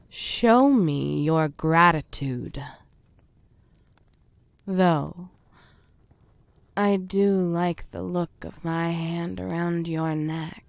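A woman playing a slow, whispering fae queen. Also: lowish voice, no room sound, exaggerated voice. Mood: teasing, commanding. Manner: slow, breathy whispering, commanding. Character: domineering seductive fae queen, possessive and menacing. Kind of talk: audio roleplay.

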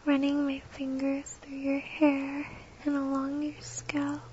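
Woman, intimate erotic whisper, slow and steady, high and level delivery. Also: lo-fi sound, slight background noise. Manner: slow, breathy, close whisper.

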